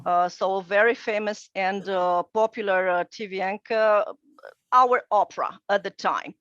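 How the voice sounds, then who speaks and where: A middle-aged woman from northern Romania, a native Romanian speaker, calmly recounting her career as a translator and interpreter, with frequent hesitations. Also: medium pitch, dry recording. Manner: measured, many hesitations. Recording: dull dry video-call audio.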